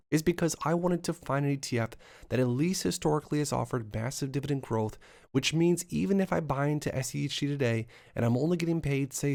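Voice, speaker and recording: Fast-talking gravelly man in his thirties. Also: mid-range voice, darkish tone. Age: 30s. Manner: brisk, upbeat run-on explaining with lots of lists and asides. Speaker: investing channel host. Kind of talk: solo finance talk to camera.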